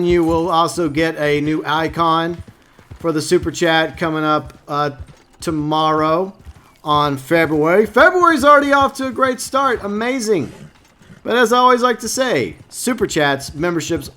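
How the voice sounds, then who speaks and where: Chatty Texan streamer. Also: male voice, a little high, moderate pace, bright, forceful tone. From Texas. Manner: chatty, reads viewer comments aloud, frequent fillers. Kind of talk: casual live-stream chat.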